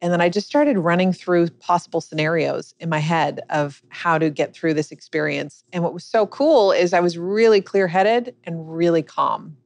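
Gravelly-voiced woman telling a story. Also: fairly low pitch, normal speed, few pauses. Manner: earnest, reflective storytelling. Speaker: guest, business coach and author. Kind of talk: podcast interview storytelling.

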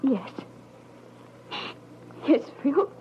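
A woman acting an anxious, bewildered character in a 1940s radio mystery, halting and earnest as she questions. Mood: hurt, subdued. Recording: muffled old radio recording, loud noise behind.

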